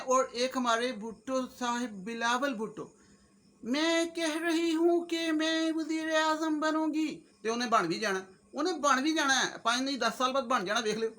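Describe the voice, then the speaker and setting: High, bright-voiced Punjabi-accented man. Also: a little fast. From Pakistan. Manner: mixes Urdu, Punjabi and English in a joking, animated, rambling way. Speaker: YouTuber host. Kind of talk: casual comic-motivational monologue.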